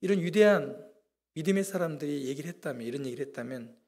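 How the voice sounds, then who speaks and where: Middle-aged male guest preacher, raspy fry-edged voice, humorous self-deprecating testimony. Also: on the high side, animated, quick pace, darkish tone. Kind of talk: sermon testimony. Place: church.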